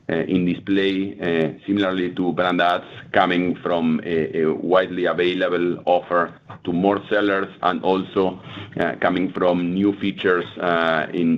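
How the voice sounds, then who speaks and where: A man speaking as a company executive on an earnings call, halting and repeating words as he explains. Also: low voice. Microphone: conference call line. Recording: dull, faintly noisy call line.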